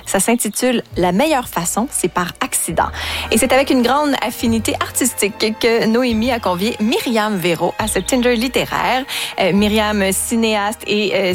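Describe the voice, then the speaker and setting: A woman hosting a cultural interview, introducing her guests with praise and asking questions. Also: fairly high pitch. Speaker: interview host. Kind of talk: cultural talk show interview.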